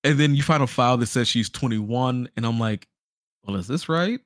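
A man co-hosting a podcast, giving a casual game review in an animated storytelling way, acting out reactions. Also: mid-range voice, normal speed, dry recording, clean studio sound. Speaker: podcast host.

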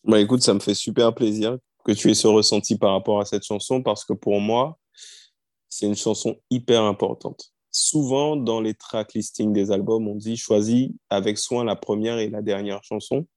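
A man in his thirties, a singer-songwriter, telling how his songs came together in a relaxed interview. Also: lowish voice, normal speed, no echo. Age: 30s. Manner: storytelling, easygoing, frequent fillers.

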